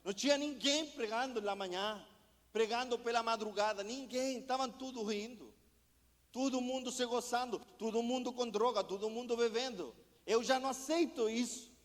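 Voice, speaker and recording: A man with a fairly high voice preaches an impassioned sermon, piling up rhetorical questions one after another. His voice carries through a church sanctuary, and a long reverb trails off the walls. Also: normal speed. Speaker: missionary preacher.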